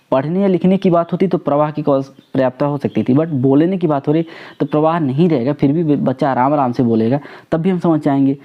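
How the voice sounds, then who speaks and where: Fast-talking man teaching an exam lesson. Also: on the high side, highs cut off. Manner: asks and answers own questions, mixing English words. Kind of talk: Hindi exam prep lecture.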